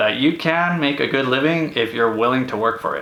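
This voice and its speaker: In an American accent, a man speaks with fairly even intonation amid audible room echo and noticeable background noise. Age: 20s. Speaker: auto mechanic and video creator. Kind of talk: casual vlog monologue. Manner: casual, filler-heavy.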